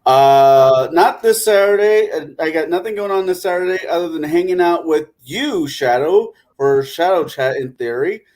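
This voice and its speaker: A man with a moderately high voice talks as a panel guest. His delivery is informal, loose and conversational. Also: normal speed, hardly any pauses, a little mellow. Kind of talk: casual chat.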